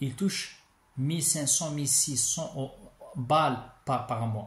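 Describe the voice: A somewhat breathy man with a North African accent, at a fairly slow pace with ordinary pitch variation.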